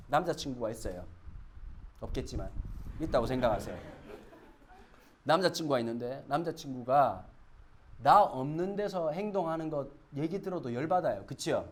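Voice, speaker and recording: Male pastor preaching, lively swooping voice, chatty, asks the room questions, gets loud and dramatic. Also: high voice. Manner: animated, swings from soft asides to loud shouted dramatizations; conversational, asks the congregation questions. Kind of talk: sermon.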